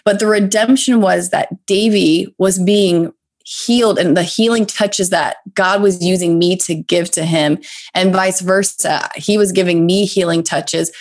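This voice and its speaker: Brief: woman in her thirties, heartfelt and earnest, lowish voice, faith talk guest. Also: steady tone, a little slow. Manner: earnest, heartfelt, restarts phrases. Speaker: podcast guest. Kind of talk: faith-based conversational sharing.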